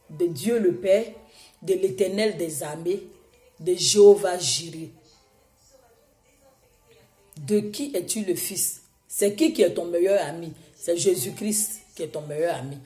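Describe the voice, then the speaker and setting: A woman preaching a sermon, hoarse from a cold, exhorting her listeners with emphatic repetition. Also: fairly low pitch, mellow, reverberant.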